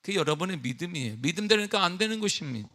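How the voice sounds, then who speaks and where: A middle-aged man preaching a sermon as pastor, emphatic with call-and-response questions, then easing into a relaxed personal story. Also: sits high, racing. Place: church sanctuary.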